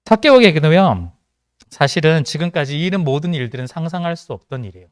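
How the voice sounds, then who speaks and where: A man's voice: fairly high pitch, very animated, quick pace, no room sound, clean studio sound. A male pastor with a mild Gyeongsang accent, giving a conversational sermon with joking asides. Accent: mild Gyeongsang Korean. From Gyeongsang region of South Korea. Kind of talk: sermon to a young adults' congregation.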